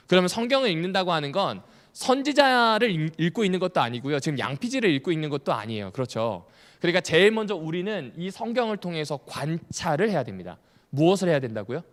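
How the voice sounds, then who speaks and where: A male pastor giving a Bible study lecture, asking the audience questions and repeating key points, with humorous asides. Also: on the high side. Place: church hall. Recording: long hall reverb.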